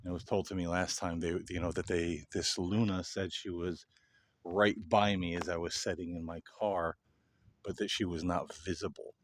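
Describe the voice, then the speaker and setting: Male host, low voice, informal explanatory delivery to viewers. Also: flat delivery, normal speed, a little hiss or hum. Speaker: paranormal investigator and host. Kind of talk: casual explanatory talk to viewers.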